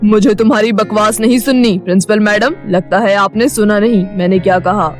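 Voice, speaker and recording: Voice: mid-range voice, fairly even intonation, a little fast, faint music behind, natural voice. A performer voicing an arrogant, powerful father who is a minister and speaks in a bossy, demanding way. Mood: angry.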